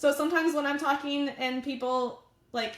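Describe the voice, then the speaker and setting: A woman's voice amid noticeable background noise. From Iceland. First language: Icelandic. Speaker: podcast host. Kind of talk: casual interview chat. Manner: fast.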